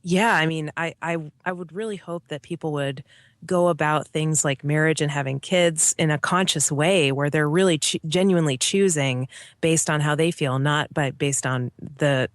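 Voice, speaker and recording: A woman's voice: low voice, normal speed, no room sound, studio quality. A woman in her thirties, a guest in a casual interview, talking earnestly and thoughtfully, often tagging on "like" and "right?". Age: 30s.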